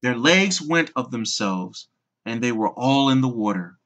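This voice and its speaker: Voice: medium pitch, expressive, unhurried, a bit bright, highs cut off. A storyteller reading a scripted fairy tale aloud as narration.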